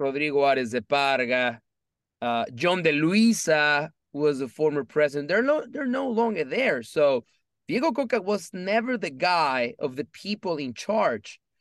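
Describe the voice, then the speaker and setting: In a plain, everyday voice, a man with a fairly high pitch speaks fairly slowly with lively intonation, the sound dry and close with no echo against a quiet background. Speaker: sports journalist. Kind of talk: casual chat.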